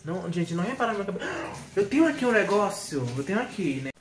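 A man's voice: high-pitched, very animated, quick pace. A man with a Brazilian accent talking at home in a late-night vlog, chatty and rambling, with many fillers and repeated words. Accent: Brazilian Portuguese. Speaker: vlogger.

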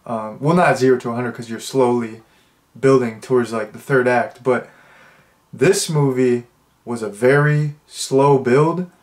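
Young man, congested nose, loose rambling reviewer, medium pitch. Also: measured pace, darkish tone. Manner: rambling, many restarts and fillers. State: stuffed-up nose. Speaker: movie reviewer. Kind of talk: casual spoken review, thinking out loud.

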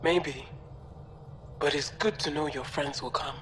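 A man voicing a grateful, reserved alien in a video game, measured and understated. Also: fairly high pitch, steady tone, over music, natural voice. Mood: grateful, subdued. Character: grateful, reserved male alien freed captive. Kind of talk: video game dialogue acting.

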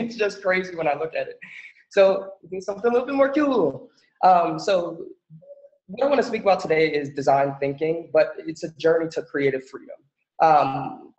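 Man from the Bahamas, easygoing presenter with lots of fillers, slightly high pitch, roomy lo-fi call audio. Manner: relaxed, chatty, many fillers. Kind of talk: casual presentation on a video call. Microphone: video call. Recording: echoey, dull video-call audio.

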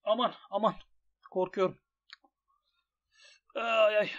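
An excitable young man with a high, light voice talks through his online bets as a gaming YouTuber. He mutters low when things go badly and yells when they go wrong. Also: takes it slowly, muffled recording. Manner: excitable, swings from grumbling to shouting at losses. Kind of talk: commentary on an online gambling site.

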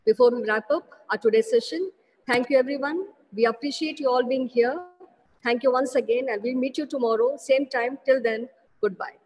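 A woman's voice: high voice, moderate pace, a little mellow, a little hiss or hum. A woman presenting prepared closing remarks for an online session. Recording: long reverberant room sound.

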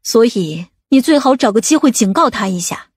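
A woman's voice: fairly high pitch, animated, moderate pace, breathy edge, no echo, studio quality. A woman playing an imperious, commanding aunt from a powerful family in an audiobook drama. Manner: commanding, demanding.

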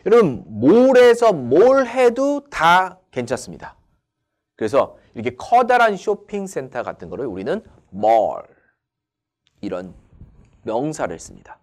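A male English teacher with a very animated voice that swoops up and down. He talks slowly and reads each English example with deliberate care. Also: on the high side. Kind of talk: online English lesson.

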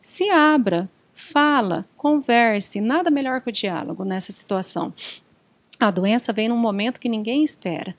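Higher-pitched woman explaining calmly. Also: moderate pace, no echo. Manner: explanatory, often quotes patients and families. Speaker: hospital psychologist. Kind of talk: interview answers.

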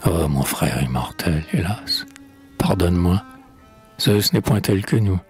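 A man's voice: deep voice, expressive, unhurried, faint music behind. A man reading the part of a grieving, guilt-stricken hero in a solemn, lamenting recitation. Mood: anguished.

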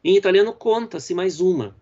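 Brazilian prof explaining stuff slow, lots of ums, kinda high voice, muffled lo-fi recording. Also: male voice, dark tone. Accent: Brazilian Portuguese. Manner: explanatory, many fillers and repeats. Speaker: professor. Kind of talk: university lecture.

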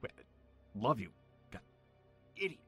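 A man's voice: medium pitch, sing-song, unhurried, a bit bright, breathy edge, faint music behind, exaggerated voice. An actor playing a goofy male train conductor leaving a rambling, self-deprecating voicemail.

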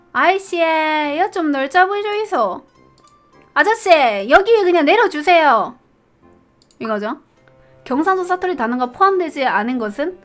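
A young woman streamer casually talking through a quiz, reading questions aloud, puzzling over answers and laughing often. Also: sits high.

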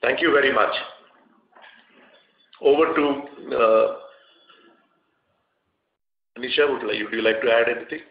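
A man with an Indian accent speaks haltingly as a company executive leading an earnings call. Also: mid-range voice. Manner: halting, hesitant delivery with long hesitations. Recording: dull, echoey conference call line.

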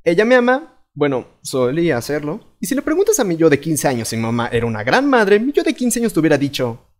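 Fast, lively Latin American narrator. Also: male voice, a little high. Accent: Latin American Spanish. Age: young adult. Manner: animated, playful delivery. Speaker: fandub narrator. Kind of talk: comedic storytime narration.

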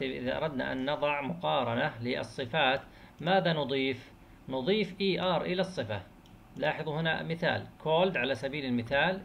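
A man teaching an English grammar lesson who explains slowly, repeats terms, and asks and answers his own questions. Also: on the high side, vocal fry, a bit bright. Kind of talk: recorded classroom lesson. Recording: dull lo-fi recording with faint noise.

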